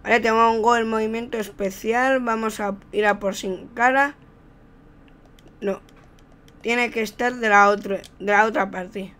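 A person with an accent from Spain giving improvised, excitable play-by-play over gameplay in the manner of a wrestling commentator. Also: medium pitch, a little slow. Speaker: video game commentator, player.

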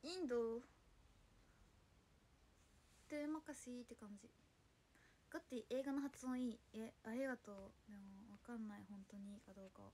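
A woman's voice: on the high side, steady tone, normal speed, pauses often, dark tone, husky. A young woman, chatting casually on a solo livestream, flustered as she reads and answers viewer comments. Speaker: idol livestreamer.

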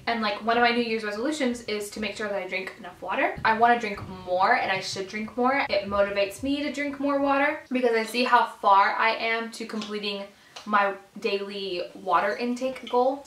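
A woman in her twenties chatting casually to camera over a meal, informal and animated, chewing as she talks. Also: on the high side, a little fast, a little hiss or hum. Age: 20s. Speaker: vlogger. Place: small bedroom, indoors. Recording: echoey room sound.

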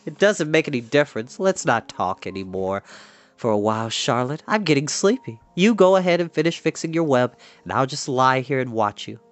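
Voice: medium pitch, sing-song, normal speed, close to an everyday voice. A storyteller voicing a young male pig who is innocent, earnest and anxious, with a pleading, childlike manner. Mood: sleepy, content.

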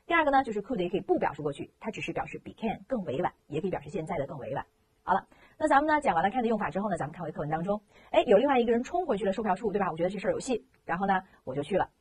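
A woman teaching English grammar in a lively lesson, asking rhetorical questions and reading example sentences aloud slowly, with a Mandarin Chinese accent. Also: mid-range voice, slight background noise.

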